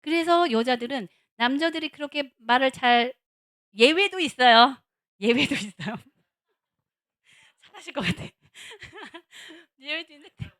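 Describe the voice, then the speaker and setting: Lively high-voiced woman lecturing. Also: measured pace. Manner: animated, acts out little dialogues of husbands and wives; repeats words for emphasis, playful sound words. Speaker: seminary professor lecturing at a church. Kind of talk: lively church lecture on marriage.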